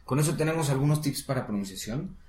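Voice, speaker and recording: Mexican man, mid-pitched voice, encouraging tutor, echoey room. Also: lively intonation, fast talker, a little mellow, slight background noise. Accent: Mexican Spanish. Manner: patient, encouraging, checks in with "¿va?". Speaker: English teacher. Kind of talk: casual one-on-one lesson. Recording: roomy echo.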